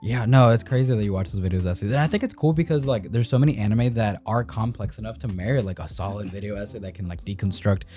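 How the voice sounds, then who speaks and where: A man's voice: fairly low pitch, quick pace, hardly any pauses, warm tone, faint music behind. A man hosting a casual podcast, talkative and easygoing with enthusiasm for his subject. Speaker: podcast host.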